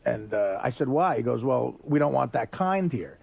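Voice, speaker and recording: A man's voice: mid-range voice, lively intonation, moderate pace, vocal fry, a little mellow, breathy edge, no echo. An American man co-hosting a radio show with casual comic banter, blunt and wisecracking.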